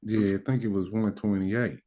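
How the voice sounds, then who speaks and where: A man's voice: fairly low pitch, steady tone, moderate pace, mellow. An American man speaking African American Vernacular English, taking part informally in an online lesson discussion. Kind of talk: casual discussion.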